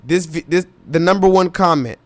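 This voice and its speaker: This man's voice is a little high, delivered at a moderate pace in a dry recording. He runs a live reaction stream, reading out viewer comments and insistently repeating himself as he urges his chat on, addressing it head-on.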